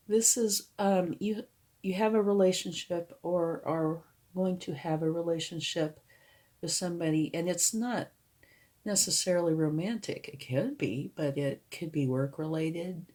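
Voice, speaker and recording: A woman with a low, husky-hoarse voice from a cold talks slowly through a tarot reading. She is unhurried and reassuring, and she keeps asking the viewer "okay?" as she explains each card. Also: a little mellow. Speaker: tarot reader.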